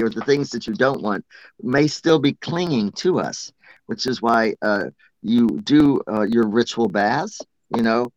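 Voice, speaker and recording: A man's voice: mid-range voice, dry recording, rough recording. Earnest man explaining folk rituals, dry sound. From Appalachia. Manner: earnest, chants and sings ritual verses. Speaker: guest witchcraft teacher. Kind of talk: conversational interview, explaining rituals.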